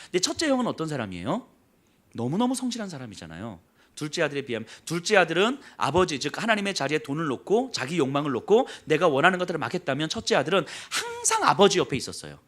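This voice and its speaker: A man preaching a sermon as pastor, telling a story with acted-out quotes and dropping to soft, low emphasis. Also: huge pitch swings, fast talker.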